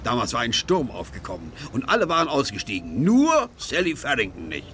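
An actor playing a dubious chauffeur who tells eerie tales in a suspenseful way, in a German radio play. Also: male voice, medium pitch, wildly swooping pitch, fairly quick, a bit bright, slight background noise. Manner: suspenseful storytelling. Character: dubious chauffeur telling an eerie ghost tale. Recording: vehicle and outdoor sounds behind.

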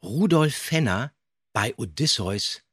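A man's voice: mid-range voice, lively intonation, slow pace, fairly bright tone, breathy edge, no room sound, clean studio sound. A man co-hosting a podcast in casual conversation, emphatic and opinionated in how he talks. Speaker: podcast co-host. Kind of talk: casual animated discussion.

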